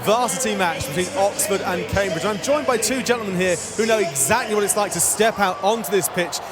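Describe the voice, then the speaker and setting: A male sports host introduces a match with loud, emphatic projection. His voice is high, and blaring music and a roaring crowd surround it. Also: a little fast. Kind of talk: match-day broadcast introduction. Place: outdoor rugby stadium.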